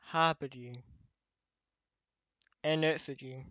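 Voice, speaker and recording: A gentle childhood teddy bear, acted by a man, talks very slowly and tenderly in an ASMR roleplay. The delivery is wistful and loving, with frequent pauses. The recording is dry and a little dull. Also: a little high, fairly even intonation, dry recording. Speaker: voice actor. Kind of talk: ASMR roleplay addressed to listener.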